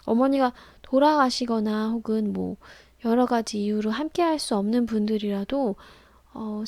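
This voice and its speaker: A woman giving earnest advice on family relationships, often dropping to a soft whisper. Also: fairly high pitch, dry recording. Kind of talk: casual advice talk to camera.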